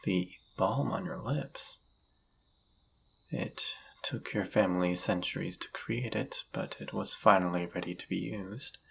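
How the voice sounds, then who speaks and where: Low, slow, husky demon seducer, male actor, smug and dangerous, teasing murmurs for romantic audio drama. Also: a bit bright, slight background noise, heavily acted. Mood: puzzled, bitter. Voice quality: husky, gravelly. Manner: smooth-talking, teasing, theatrical, often breathy and murmured. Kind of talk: flirty audio roleplay acting.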